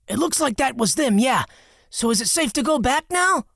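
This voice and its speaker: A man voicing an excitable, proud young factory owner with a high, theatrical voice. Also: moderate pace, creaky, dry recording, studio quality, full character voice. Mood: nervous. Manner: high-pitched, eager and theatrical.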